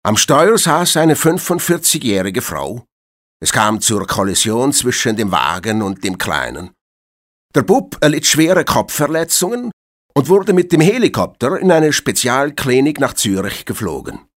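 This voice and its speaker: A man's voice: mid-range voice, sing-song, measured pace. A man playing a formal evening newsreader, delivering a scripted police report with emphasis. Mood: formal, serious. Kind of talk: scripted news bulletin.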